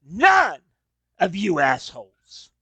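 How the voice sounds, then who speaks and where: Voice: medium pitch, huge pitch swings, takes it slowly, sharp tone, husky, no echo, shouting, exaggerated voice. A performer playing a vengeful, frustrated wrestler prince in a staged reading, declaring boasts and threats. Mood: angry.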